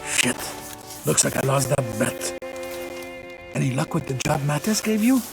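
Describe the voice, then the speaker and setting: Jeering gravelly prison thug, slow talker, video game, music behind. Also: male voice, on the high side, expressive. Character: mocking, gravelly convict henchman. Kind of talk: video game cutscene acting.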